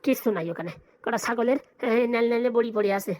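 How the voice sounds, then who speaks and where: A woman voicing a comic, flattering village lackey in a cartoon, deferential and whining in a rural Bengali dialect. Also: a little high, fast, no echo, lightly acted. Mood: insistent.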